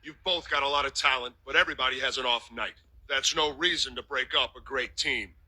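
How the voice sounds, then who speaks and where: A man's voice: medium pitch, brisk, pushed and bright, no room sound, rough recording. A man voicing a wrestling champion in a game cutscene, talking in a firm, no-nonsense way to settle a quarrel. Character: male wrestling champion, calm team mediator. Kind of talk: video game cutscene dialogue.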